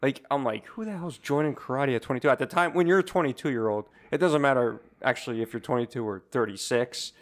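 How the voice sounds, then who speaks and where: A man chatting casually as a podcast co-host, halting and conversational as he thinks out loud. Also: mid-range voice. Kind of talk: casual chat.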